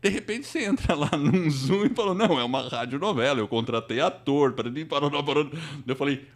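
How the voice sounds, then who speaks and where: A Brazilian man hosting a casual interview podcast, talking in an animated, conversational way. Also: fairly high pitch, fairly quick. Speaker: podcast host interviewing a guest.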